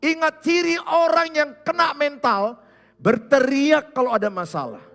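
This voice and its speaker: A male pastor preaching a sermon in a church, animated and speaking straight to his listeners. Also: very high-pitched, measured pace, vocal fry, soft background music. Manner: animated, acts out scenes, speaks to the listener directly.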